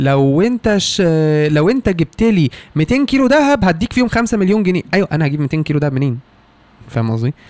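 A man with a high voice speaks at a fairly quick pace, his pitch swinging very widely while his loudness stays very even, in a dry, close sound with no echo. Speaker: public speaking coach. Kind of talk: casual interview chat.

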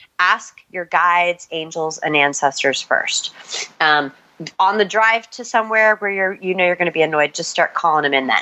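With an American accent, a woman in a plain, everyday voice speaks at a moderate pace and a fairly low pitch, her intonation lively. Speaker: podcast co-host. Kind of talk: casual chat.

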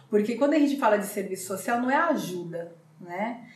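Moderately paced speech from a woman amid audible room echo. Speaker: social worker. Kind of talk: interview.

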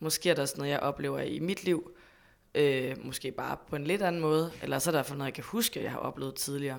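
Speaking at a fairly quick pace with vocal fry, a woman comes through in a very clean recording with a silent background. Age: 30s. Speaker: publishing promoter of children's literature. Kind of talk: interview. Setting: publisher's office.

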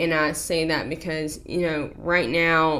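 A woman's fairly low voice with an American accent, in audible room echo. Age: 30s. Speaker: podcast host. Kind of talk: solo podcast monologue. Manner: casual, conversational.

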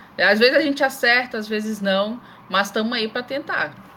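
Noticeable background noise fills the clip. Through it, a woman speaks at a moderate pace. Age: 30s. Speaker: podcast co-host. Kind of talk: casual chat.

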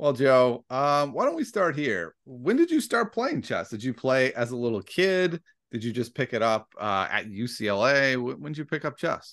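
With a plain, everyday voice, a man speaks at medium pitch and a moderate pace, using lively intonation and hardly any pauses. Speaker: podcast host. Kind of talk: casual interview chat.

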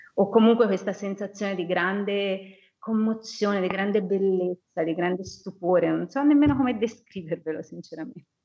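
At a moderate pace, a woman talks in an ordinary speaking voice at a medium pitch with ordinary pitch variation. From Florence, Tuscany, Italy. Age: 40s. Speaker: yoga practitioner. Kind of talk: casual interview. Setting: remote call.

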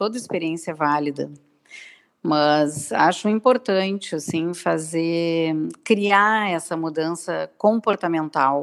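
A woman talks at a very slow pace in a fairly low pitch. Her pitch variation is ordinary. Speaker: entrepreneur and body therapist. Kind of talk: interview.

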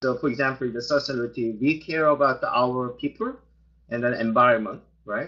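A man with a Korean accent, medium in pitch, fairly quick, and fairly even in intonation. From South Korea. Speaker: IT and patent expert, panelist. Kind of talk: panel discussion. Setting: online webinar. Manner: halting, repetitive fillers.

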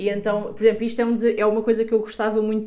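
Audible room echo surrounds a woman with a European Portuguese accent and a dark, mellow tone. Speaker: podcast co-host. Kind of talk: casual chat.

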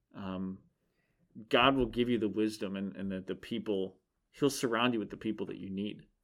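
A man's normal speaking voice, fairly low in pitch, at a moderate pace with fairly even intonation, on a very clean recording with a silent background. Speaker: high school youth director. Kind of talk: casual chat about scripture.

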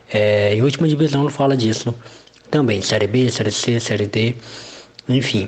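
A man's fairly level delivery at a middling tempo is heard against noticeable background noise. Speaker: co-host doing intro and ad read. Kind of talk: scripted-style promo intro.

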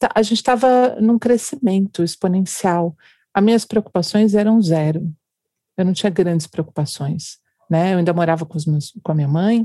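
With ordinary pitch variation and a medium pitch, a woman talks at a moderate pace in an unremarkable speaking voice, the sound dry and close with no echo. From Brazil, São Paulo city. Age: 40s. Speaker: career changer in tech, trainee product owner. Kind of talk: interview.

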